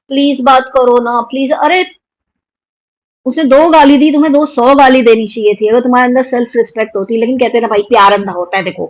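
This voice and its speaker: Indian woman host, high-pitched, scolding and indignant reaction commentary. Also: low-quality recording. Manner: indignant, scolding, mocking quotes. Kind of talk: heated commentary on influencer drama.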